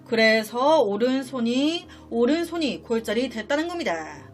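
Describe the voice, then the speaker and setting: A woman narrating a dramatic true-life story, talking straight to her viewers and sounding indignant at what she recounts. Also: high-pitched.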